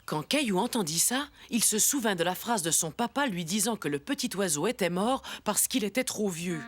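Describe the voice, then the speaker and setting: A woman as a friendly storyteller narrating a children's cartoon, with clear storybook phrasing. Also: mid-range voice, animated, normal speed, close to an everyday voice. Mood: storytelling.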